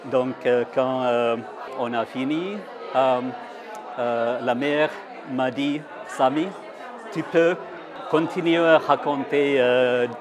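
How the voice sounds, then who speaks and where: A man recounting a memory in a halting way, full of hesitations. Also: medium pitch, steady tone. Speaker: alumnus. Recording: crowd chatter behind.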